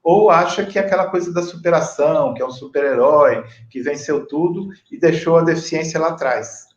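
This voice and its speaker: A man with a Brazilian accent hosting a conversational interview in a deliberate, hesitant, rambling way. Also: on the high side. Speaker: interview host. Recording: echoey room, dull lo-fi audio.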